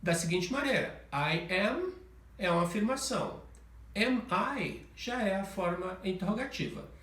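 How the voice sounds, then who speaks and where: A man teaching a video language lesson, explaining grammar step by step and saying example sentences slowly and deliberately. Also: sits high, expressive, fairly bright tone, reverberant, recorded from a distance. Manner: slow, deliberate model sentences between explanations. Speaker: English teacher.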